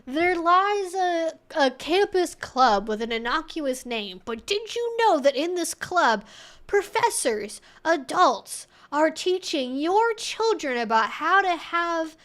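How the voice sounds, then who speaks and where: A woman putting on an outraged conservative TV news anchor, delivering a mock exposé with slow, dramatic emphasis. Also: extremely high pitch, big pitch swings, fairly bright tone, pitched above the performer's own voice, heavily acted. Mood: mock scandalized.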